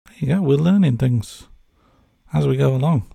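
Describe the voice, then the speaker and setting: Husky, dark-voiced man co-hosting a podcast. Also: mid-range voice, lively intonation, normal speed, dry recording, clean studio sound. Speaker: podcast co-host. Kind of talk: podcast presenting, part scripted narration, part casual chat.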